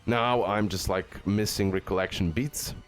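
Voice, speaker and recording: Male gaming video host, low voice, casual and informal guide-style commentary, music underneath. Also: a little slow. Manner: informal, often says bro and okay.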